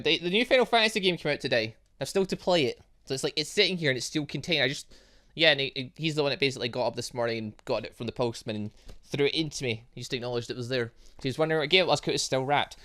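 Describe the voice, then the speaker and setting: A man's voice: fairly high pitch, rapid-fire, pushed and bright. A man giving casual, chatty gaming commentary, thinking aloud as he goes. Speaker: gaming channel host. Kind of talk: casual gaming commentary, reading visual novel dialogue aloud.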